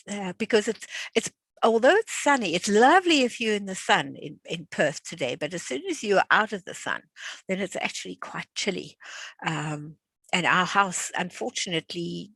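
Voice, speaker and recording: A woman's voice: medium pitch, a bit bright, husky, no room sound. Older woman, class instructor, chatty, video call, dry close sound. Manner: chatty, friendly, lots of fillers and restarts. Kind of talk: casual chat before an online class. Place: at home.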